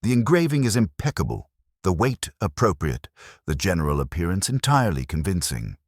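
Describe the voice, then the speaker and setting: Male narrator as careful small-town jeweler, very low voice, formal precise wording, dry sound, mystery audiobook. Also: very animated, brisk, darkish tone, no echo, full character voice. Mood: expert, measured.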